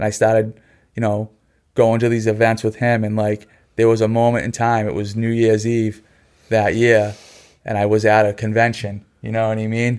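On a very clean recording with a silent background, a man with a Boston accent talks at a moderate pace and a medium pitch in a flat monotone. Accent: Boston-area Massachusetts. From Massachusetts South Shore (Hanson). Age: 40s. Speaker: person in addiction recovery. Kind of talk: personal testimony in casual interview.

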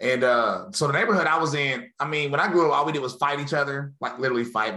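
Pitched fairly high for a man, he talks at a very fast pace with lively intonation and hardly any pauses. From North Carolina, US South. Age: 30s. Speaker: rapper. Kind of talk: interview.

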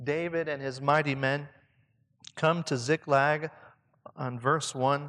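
A man with a southern Indiana accent speaks at a fairly slow pace. His pitch is fairly high and his intonation fairly even. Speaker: preacher, conference speaker. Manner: rhythmic, uses repetition and pauses.

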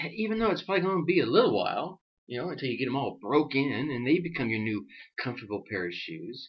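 This man talks at a very fast pace with vocal fry. His pitch is fairly high and swings very widely. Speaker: motivational podcast host. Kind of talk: motivational monologue. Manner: salesman-like pitch; conversational, uses fillers.

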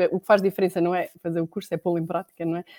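This woman's voice has a dark, mellow tone. The recording is very clean and dry, close-sounding with no echo, against a silent background. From northern Portugal. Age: 40s. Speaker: dentist. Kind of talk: interview. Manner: halting.

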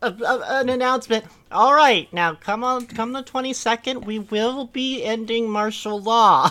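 A woman's bright, sharp tone sits at a fairly high pitch as she speaks at a moderate pace. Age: 40s. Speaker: podcast host. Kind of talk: comedic reading and banter. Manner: animated.

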